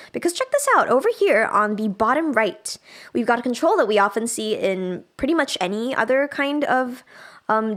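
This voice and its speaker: A woman's voice: medium pitch, fairly bright tone. A woman trainer teaching music production in a casual, chatty livestream style, thinking aloud as she demonstrates. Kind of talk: casual livestream software tutorial.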